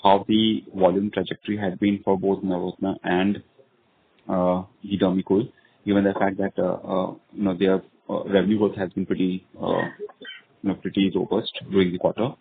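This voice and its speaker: A man's voice: low-pitched, flat delivery, normal speed, breathy edge. A man with an Indian accent asking questions as an analyst on a call, polite, deferential and hesitant. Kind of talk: spontaneous questions on conference call. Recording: narrowband phone line.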